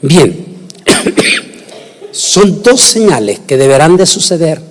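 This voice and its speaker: A man delivers a sermon in a fairly high voice, pushing up sharply for emphasis and then dropping back. He often restarts his phrases mid-thought. The sound rings with the long reverb of a large hall. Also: very animated, slow pace. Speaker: preacher.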